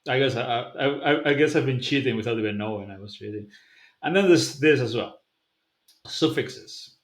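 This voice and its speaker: A man with a mid-range voice speaks at a moderate pace, vlogging about language learning from an echoey, roomy space. Basque is his first language. He thinks aloud to the camera in a casual, musing, conversational way, explaining things loosely.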